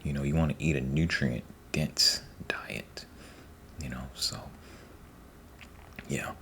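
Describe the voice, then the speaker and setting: Casting: male ASMR host, extremely low voice, soft and half-whispered, slow rambling delivery. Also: steady tone. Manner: unhurried, rambling, repeats himself.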